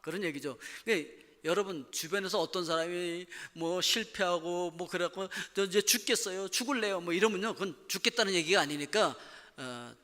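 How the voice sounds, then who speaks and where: Middle-aged male preacher, high and bright, animated delivery, long church-hall echo. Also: normal speed. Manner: animated, acts out quoted complaints with sudden loud outbursts. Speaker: pastor. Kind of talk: sermon. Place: church sanctuary.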